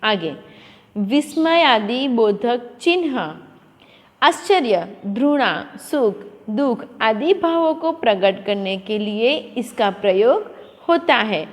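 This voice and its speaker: A woman's voice: fairly high pitch, animated, takes it slowly. A woman teaching a school lesson to children, explaining patiently and mixing Hindi with English words. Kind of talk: classroom lesson. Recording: long echoing reverb.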